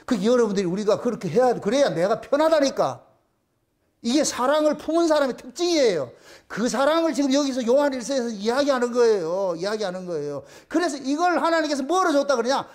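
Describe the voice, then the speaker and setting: A man's voice: very high-pitched, expressive, a little fast. A male pastor preaching a sermon in an emphatic, repetitive way, asking many rhetorical questions.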